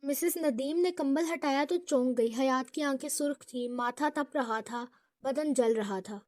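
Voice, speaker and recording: A woman narrating a romantic comedy novel with even storytelling. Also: high voice, no echo, studio quality.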